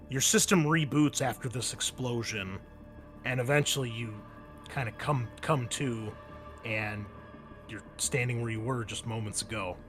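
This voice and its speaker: A man working as game master, narrating a tabletop roleplaying game in a halting, conversational way. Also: medium pitch, fairly bright tone, faint music behind.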